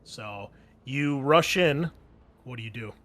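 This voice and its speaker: A man's voice: medium pitch, lively intonation, takes it slowly, a bit bright. A man speaking casually as a game master, narrating scenes and explaining rules to players.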